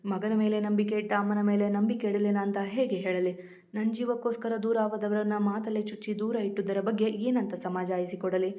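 A woman's voice: mid-range voice, flat delivery, a little fast, dark tone, lo-fi sound, lightly acted. A woman voicing a remorseful grown son who weeps with regret, in a storybook reading. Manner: anguished, sobbing questions.

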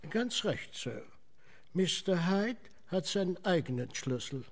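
A man playing a deferential Victorian butler in a radio play, husky and stiffly formal. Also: sits high, sing-song, measured pace, heavily acted. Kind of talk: German radio play acting. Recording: reverberant hall, faint music.

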